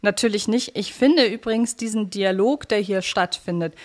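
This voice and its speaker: A woman's voice: mid-range voice, normal speed, darkish tone. A woman co-hosting a podcast, talking casually and analytically in a reflective, elaborating way. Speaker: podcast co-host. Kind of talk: casual analytical podcast talk about an audio drama series.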